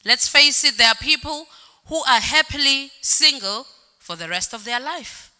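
A woman's voice: high voice, a little slow, sharp tone. A woman preaching a sermon in a church hall, stressing points by repeating words and calling out "Amen". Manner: sings some phrases, varies pace. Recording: reverberant hall with faint music.

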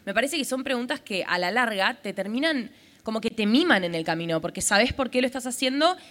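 A woman's voice: on the high side, animated, fairly quick, fairly bright tone. A woman with a Rioplatense accent hosting a live podcast on a festival stage, talking in a rambling way full of fillers. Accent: Rioplatense Spanish. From Argentina. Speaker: podcast host.

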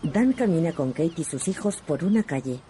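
A woman giving calm, neutral audio description of a film scene. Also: sits low, moderate pace, a little hiss or hum. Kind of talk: scripted audio description narration.

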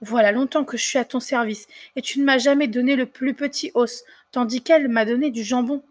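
A woman voicing a thin, sly black cat in a storybook reading, speaking low and soft in a grumbling way. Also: steady tone, brisk, close to an everyday voice.

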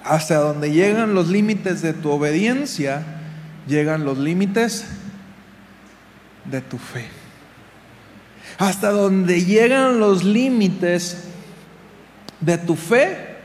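High-voiced preacher, slow and dramatic. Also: male voice, expressive. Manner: dramatic, acts out quoted voices. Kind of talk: sermon. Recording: echoey hall with faint noise.

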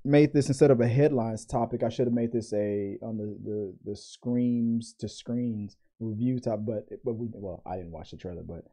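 Man, podcast co-host, casual chat, mellow voice, rambling, frequent restarts. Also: mid-range voice, fairly even intonation, moderate pace, hardly any pauses. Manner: rambling, restarts often, laughs easily.

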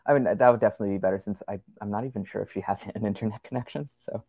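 A man's voice: lowish voice, very fast, dark tone, slightly rough, dry recording. A young man as a podcast guest, chatting casually and rambling with lots of fillers and restarts. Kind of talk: casual conversational interview.

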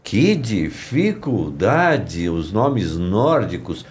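A man, a voice actor guest, chatting casually and reacting with relaxed amusement. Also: on the low side, extremely slow, slight background noise. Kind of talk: casual chat.

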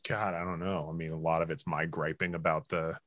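A man from the United States on a casual panel chat, speaking in a hesitant way with halting restarts. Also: rumbling low, flat delivery, fairly bright tone, no room sound, clean studio sound.

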